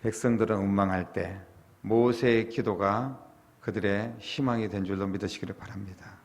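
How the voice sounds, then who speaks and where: Pastor, man, middle-aged, preaching sermon, rhetorical questions, emphatic swells. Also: on the low side. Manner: rising to animated, emphatic peaks when voicing complaint and prayer.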